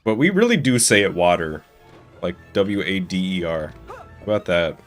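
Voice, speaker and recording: A man's voice: low voice, animated, normal speed. A young man with a Midwestern American accent, chatting casually and rambling with chuckles while he streams a game. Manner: rambling, chuckling, lots of fillers. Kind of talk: casual chat while gaming. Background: game audio and music.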